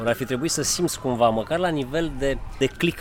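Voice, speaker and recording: Noticeable background noise sits under this recording. A man talks fairly quickly at a fairly high pitch with ordinary pitch variation. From Romania, Drobeta-Turnu Severin (Oltenia). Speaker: poet. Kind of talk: casual chat. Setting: outdoors.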